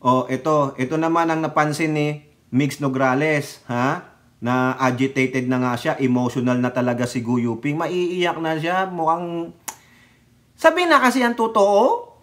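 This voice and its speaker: A Filipino man delivers casual political commentary on his vlog. He talks straight to his viewers in an animated, needling way, and his voice sits a little higher than most men's. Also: a little slow.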